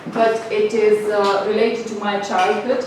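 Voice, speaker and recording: A woman lectures a summer seminar at a slow, patient pace, sprinkling her English with filler sounds. She speaks in a very reverberant room, picked up from a distance. A steady hiss of noise sits under her voice. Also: medium pitch. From northern Slovenia. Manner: unhurried, many filler sounds, inviting. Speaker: guest lecturer. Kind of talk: seminar lecture with questions to the audience. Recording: very echoey room, mic far off, noisy.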